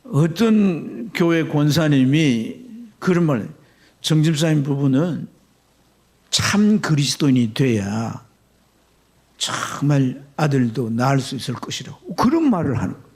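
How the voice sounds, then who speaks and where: A man preaching a Sunday sermon as pastor, telling a story with sudden swings between loud high passages and low hushed ones. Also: sing-song, unhurried, husky. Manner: storytelling with sharp swings in pitch and loudness. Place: church sanctuary.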